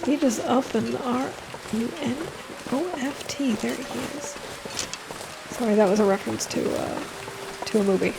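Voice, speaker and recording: A woman streams a survival game and chats easily with her viewers, laughing often as she answers them by name. Her voice sits a little high. A faint noise runs underneath. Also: normal speed, gravelly, long pauses. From United States. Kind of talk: casual gameplay chat with chat readers.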